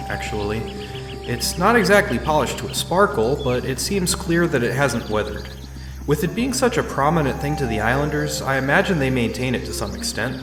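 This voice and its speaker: A man's voice: mid-range voice, natural voice. A man playing a mild, observant young tourist who narrates in the first person in an audio drama. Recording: roomy echo, clear background music.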